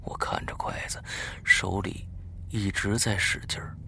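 Gravelly man telling a ghost story. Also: fairly low pitch, flat delivery, a little slow, sharp tone. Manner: drops to a whisper at tense moments. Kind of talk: spoken ghost story narration.

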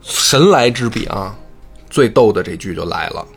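A man who hosts a podcast, retelling a classic novel in animated, colloquial chat and swearing freely. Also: on the low side, moderate pace, gravelly, slightly rough, faint music behind. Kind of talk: casual storytelling chat.

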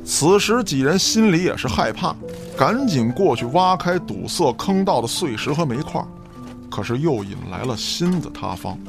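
A man's voice: on the high side, sing-song, normal speed, vocal fry. A man narrating a scripted audio drama as a storyteller, in a dramatic reading style. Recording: background music under the voice.

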